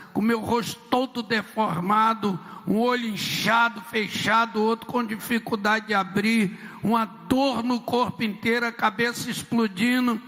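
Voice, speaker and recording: High, gravelly Brazilian pastor preaching. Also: male voice. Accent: Brazilian Portuguese. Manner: emphatic, dramatic storytelling with bursts of shouting. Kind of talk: preached personal testimony. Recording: long reverberant hall.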